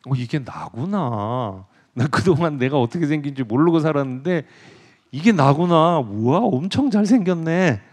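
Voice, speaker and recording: A man's voice: mid-range voice, expressive, moderate pace, few pauses, darkish tone, natural voice. Casting: a man doing vain young Narcissus, lovestruck and gushing like a kid. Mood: amazed. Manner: gushing, childlike banter.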